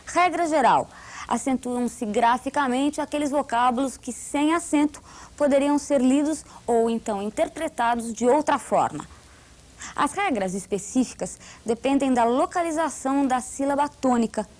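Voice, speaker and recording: Brazilian female narrator, high voice, formal scripted read. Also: moderate pace. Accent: Brazilian Portuguese. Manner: even, formal reading. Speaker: lesson narrator.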